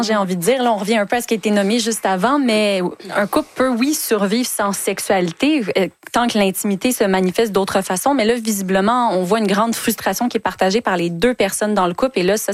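A Québécois woman sexologist giving thoughtful, measured advice as a guest in a radio studio. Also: medium pitch. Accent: Québécois French. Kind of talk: expert advice on a radio show. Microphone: studio microphone.

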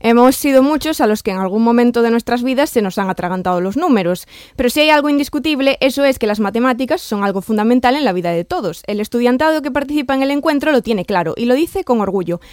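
Brisk woman news reporter. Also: fairly high pitch, lively intonation, a little mellow, dry recording, clean studio sound. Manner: brisk, polished reading.

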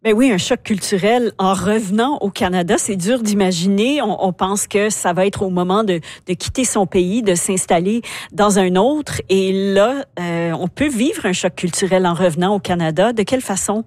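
A woman hosting a radio interview, asking clear and composed questions. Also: mid-range voice, moderate pace, hardly any pauses, a little mellow, dry recording. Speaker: radio host.

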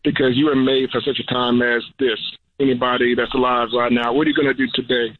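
A man's voice: mid-range voice, flat delivery, fast talker, no echo. A man calling in to a talk show over the phone, speaking earnestly and urging listeners to act. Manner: earnest, exhorting. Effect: heard over the phone. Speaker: caller. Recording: tinny phone line.

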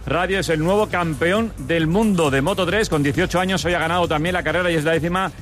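Presentador español de radio deportiva, voz algo aguda. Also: male voice, on the high side, fast talker, fairly bright tone. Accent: Spanish from Spain. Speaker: radio sports show host. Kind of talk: live sports round-up, handing over to reporters. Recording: radio broadcast over background music. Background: music bed.

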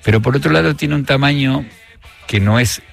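A man with an Argentine accent, a guest on a radio show, talking in a reflective, measured way with frequent pauses and restarts. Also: mid-range voice, vocal fry, soft background music. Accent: Argentine Spanish. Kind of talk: relaxed radio conversation.

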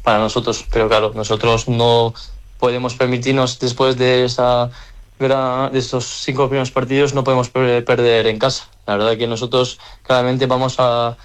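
A young handball player from the Country, answering interview questions casually, with lots of hesitant fillers. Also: male voice, medium pitch, clean tone. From French Basque Country.

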